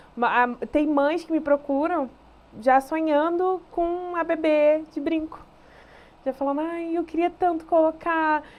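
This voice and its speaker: A woman's extremely high voice at a very slow pace with fairly even intonation. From Bahia, Brazil. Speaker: nurse and ear piercer. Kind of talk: interview.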